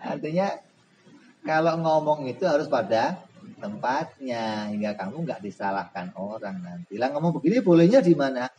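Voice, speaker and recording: A man teaching a religious text in a relaxed, humorous way, who often poses questions to his listeners. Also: medium pitch, moderate pace, a little hiss or hum, low-quality recording. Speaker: Islamic boarding school teacher. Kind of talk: religious book study lesson.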